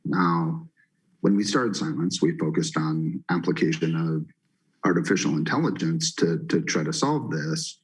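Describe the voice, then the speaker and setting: A middle-aged man speaking as a company executive, explaining in a halting way and often doubling or tripling words. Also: very deep voice, husky, rough recording. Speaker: company executive and industry veteran. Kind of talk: explanatory answer on an investor call.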